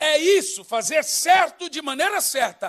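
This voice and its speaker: A man's extremely high-pitched voice, bright and sharp in tone, at a fairly slow pace. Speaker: pastor. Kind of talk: sermon.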